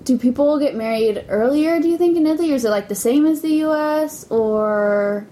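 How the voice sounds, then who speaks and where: A woman's voice: sits high, moderate pace, dark tone. A woman interviewing a guest, asking curious, prompting questions in a casual way.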